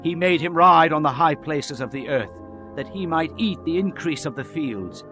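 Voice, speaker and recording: Casting: male actor as aged Hebrew prophet, fairly high-pitched, stern, fervent, oratorical delivery for dramatized scripture, music underneath. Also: lively intonation, moderate pace. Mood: solemn, exalted. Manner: solemn, declamatory, oratorical.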